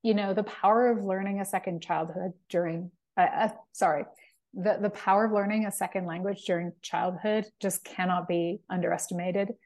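A woman being interviewed as the founder of an app, speaking enthusiastically with a slightly croaky voice and frequent restarts. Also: mid-range voice, fairly even intonation, moderate pace, a little mellow. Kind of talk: interview conversation.

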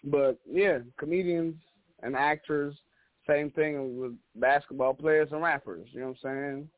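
A man's voice: on the high side, a little slow, no echo. A man of about thirty from Chicago, a stand-up comedian telling rambling, profane stories as a guest. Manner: animated, profane, rambling storyteller. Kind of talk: casual interview storytelling. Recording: dry, phone-like narrow sound.

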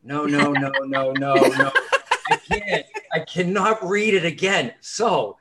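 A man's voice: on the high side, slow pace, heavy background noise. A man with a Boston accent, a guest author talking casually and animatedly in an interview, full of restarts and asides. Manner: chatty, animated storyteller with restarts. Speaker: psychic medium and author, guest.

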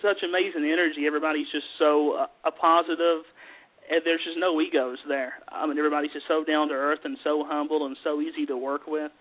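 Over a tinny phone line, a psychic medium guest from the Southern US mountains chats casually in a fairly high voice with little pitch movement and a quick pace. He has a Southern American accent and an easygoing, folksy style full of fillers.

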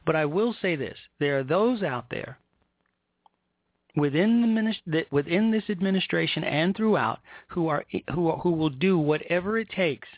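Casting: American man, political talk host, slightly high-pitched, emphatic and indignant, heard over a tinny phone-quality line. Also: animated, no room sound. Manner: emphatic, indignant, deliberate phrasing with repetition. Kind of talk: political commentary with read-out news articles.

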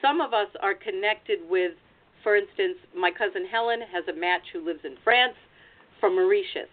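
Speaking at normal speed in a mid-range voice, this woman from the United States presents genealogy research tips in an explanatory webinar held over video call. Her sound comes through thin and phone-like.

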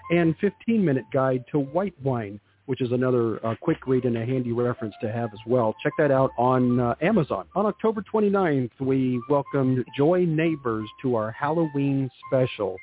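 A man co-hosting a radio talk show, reading out past guests with many fillers, his voice going hoarse. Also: medium pitch, narrow, tinny audio. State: losing his voice.

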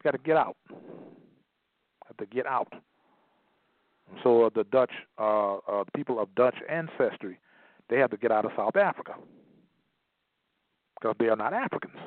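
A man's voice: medium pitch, expressive, a little fast, pauses often, no room sound. A man giving an emphatic lecture, partly reading aloud and repeating phrases for stress. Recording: tinny phone-like line, dry.

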